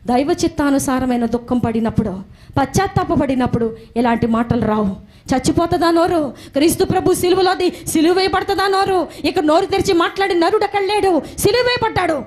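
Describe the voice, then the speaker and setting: A woman's voice: very high-pitched, fairly quick, a little mellow. A woman preaching a sermon emphatically, repeating phrases for stress.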